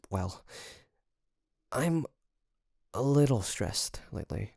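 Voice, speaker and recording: A man acts out a young male best friend in an intimate roleplay, caring but nervous. His voice is gravelly at the edges and very dry and close. He speaks slowly and haltingly, as if to one listener. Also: fairly low pitch, no echo. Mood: anxious, hesitant. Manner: hesitant, halting, soft nervous chuckles. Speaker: voice actor.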